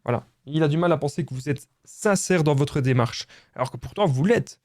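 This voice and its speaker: Belgian-accented man, advice youtuber, pressing and repetitive, a bit high-pitched. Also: animated, a little fast, a little mellow, no echo, clean studio sound. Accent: Belgian French. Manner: repetitive, insistent, addresses viewers as friends. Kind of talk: direct-to-camera advice talk.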